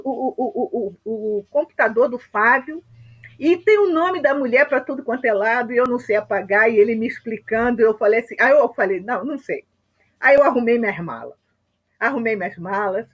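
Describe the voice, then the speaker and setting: A woman with a husky, fairly high voice tells a personal story to her group. She talks in a halting, conversational way. She stops often to check in with her listeners. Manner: chatty, halting, frequent "né?" tag questions. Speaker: group facilitator.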